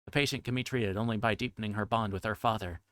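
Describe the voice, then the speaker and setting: A man's voice: lowish voice, fairly even intonation, quick pace, fairly bright tone, smooth, dry recording. A man livestreaming a game, reading its text aloud and sometimes stumbling over difficult words.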